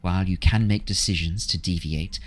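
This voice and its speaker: A man voicing a kindly old woman fortune teller, gentle, calm and cryptic, in a tabletop role-play game. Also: low voice, brisk. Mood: solemn, cryptic.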